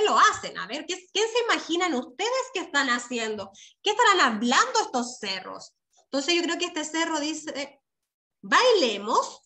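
A woman's voice: sits high, sharp tone. A woman with a Chilean accent teaching young children over a video call, patient and affectionate. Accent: Chilean Spanish. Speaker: primary school teacher. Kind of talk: online class teaching.

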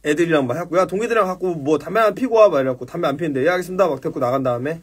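A man's voice: on the high side, very fast, breathy edge. A young man casually telling a rambling, profane story on a livestream and acting out quoted dialogue. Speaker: livestream host.

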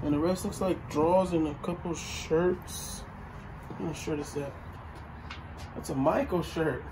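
A man's voice: on the high side, noisy background. A man in his thirties, casually joking and exclaiming as he digs through a storage unit. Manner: excited, joking, quick exclamations. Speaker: vlogger. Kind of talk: casual unboxing chat.

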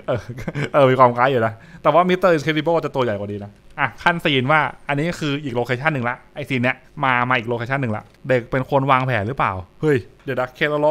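A young man with a mid-range, somewhat bright voice streams his casual reactions to horror comics. As he thinks aloud he repeats short phrases, and background music can be heard.

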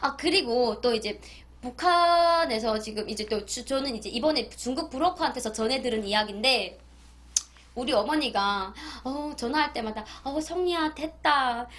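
A woman's voice: on the high side, moderate pace, fairly bright tone. A young woman from North Korea, chatting casually in a vlog, often laughing and acting out the voices of people she quotes. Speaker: YouTuber.

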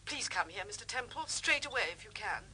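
A woman's voice: fairly high pitch, lively intonation, fairly quick, sharp tone. An actress playing an anxious, secretive woman on the telephone in a radio mystery drama. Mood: anxious, urgent.

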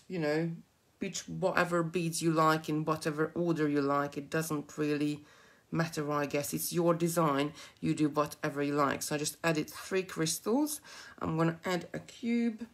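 A middle-aged Hungarian-accented woman with a notably low, deep voice walks viewers through a beading project. She chats freely and drifts into giggly asides as she works at a craft table. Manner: chatty, giggly, rambling asides while working. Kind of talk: live beading tutorial.

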